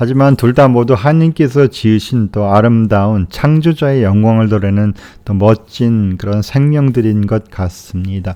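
A man's calm, dark, mellow voice at a medium pitch, with ordinary pitch variation, a fairly slow pace and hardly any pauses. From South Korea. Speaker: nature video creator. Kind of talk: narrated nature video commentary. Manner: calm, conversational.

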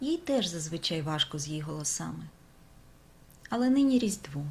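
In a non-native accent, a woman speaks at a fairly slow pace, somewhat breathy, with very wide pitch swings. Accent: non-native Ukrainian. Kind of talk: poetry reading.

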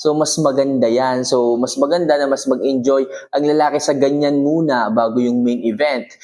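A man with a fairly high pitch and a dark, mellow tone speaks at a moderate pace, his loudness very even and his intonation fairly even. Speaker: vlogger giving love advice. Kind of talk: casual monologue vlog. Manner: halting, frequent uh fillers.

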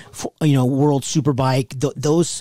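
With an American accent, a man speaks at a fairly slow pace in a fairly high pitch for a man, his dark, mellow tone carrying ordinary pitch variation. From US West (California). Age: 30s. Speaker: podcast co-host. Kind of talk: casual chat.

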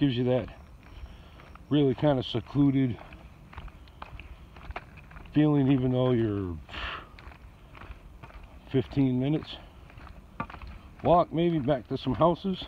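A man with long, frequent pauses and ordinary pitch variation, dry with no echo, over light background noise. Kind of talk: casual vlog chat. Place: forest. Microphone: phone near.

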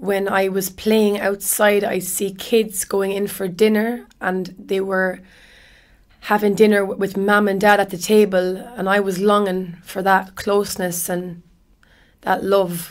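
Her words come at a very slow pace, a woman's voice of medium pitch in a monotone, flat intonation. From Ireland, Kilkenny; Ireland. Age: 30s. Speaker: social care worker; guest. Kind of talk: testimony. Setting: studio. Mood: earnest, reflective personal story. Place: studio. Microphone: studio mic.

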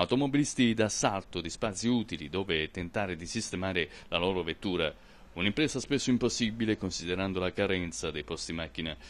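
Very deep and low, a man's voice moves at a fairly quick pace with lively intonation. The recording is very clean, with a silent background. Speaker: local TV reporter. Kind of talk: news report voiceover.

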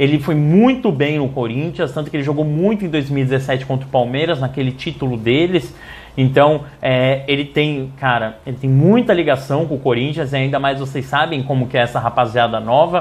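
A man speaks at a moderate pace with hardly any pauses, fairly high-pitched and somewhat breathy. His pitch varies in an ordinary way. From Brazil. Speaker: football fan vlogger; football fan channel host. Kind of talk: casual vlog commentary. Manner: animated; halting. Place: home room. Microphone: lapel.

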